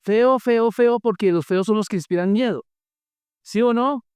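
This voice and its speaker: A preacher giving a sermon, retelling Bible stories in an animated way with joking asides and questions to the congregation. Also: medium pitch, moderate pace, smooth, no room sound, studio quality.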